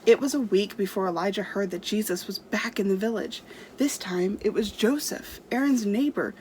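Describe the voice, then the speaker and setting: A woman's voice: mid-range voice, normal speed, darkish tone, a little hiss or hum, rough recording. A woman storyteller reading a storybook aloud to children expressively.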